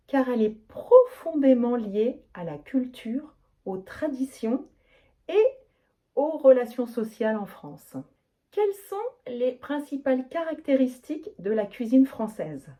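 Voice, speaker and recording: Lively, clear-spoken woman teaching French. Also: a little high. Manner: clear, deliberate, carefully articulated delivery. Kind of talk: teaching, reading practice answers.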